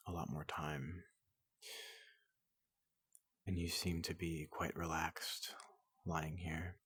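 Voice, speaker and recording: Gentle giant robot doctor for ASMR roleplay: hushed, whispery, reassuring, very unhurried, recorded dry. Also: low voice, no room sound. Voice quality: breathy, often whispering. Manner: slow, halting, reassuring. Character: large gentle robot doctor soothing a human patient. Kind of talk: soft-spoken ASMR roleplay.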